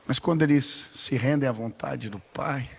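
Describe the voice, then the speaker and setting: A man with a Brazilian Portuguese accent preaching a sermon as pastor, telling stories animatedly and building to shouted exclamations. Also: mid-range voice, normal speed, creaky, husky. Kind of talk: sermon with personal storytelling. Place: large church sanctuary. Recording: long hall reverb in a church.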